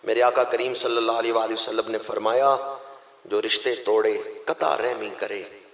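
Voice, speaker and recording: A man with a Pakistani Punjabi accent preaching a sermon, swinging between loud impassioned outbursts and quiet explanation. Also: on the low side, steady tone, moderate pace. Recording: echoey long reverb of a hall.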